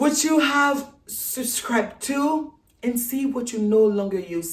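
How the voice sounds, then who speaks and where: Somewhat breathy, a woman speaks with a non-native accent. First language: not English. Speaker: lifestyle vlogger. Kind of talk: casual vlog talk. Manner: animated.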